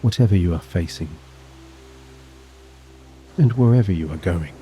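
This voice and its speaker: A man narrating a scripted guided sleep hypnosis in a soothing, gentle, measured voice with long pauses. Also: low-pitched, expressive. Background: soft relaxing music and gentle waves.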